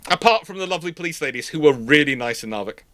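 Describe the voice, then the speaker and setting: A man's voice: fairly high pitch, animated, fast talker, fairly bright tone, slight background noise. A man hosting a casual live question-and-answer chat. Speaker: host.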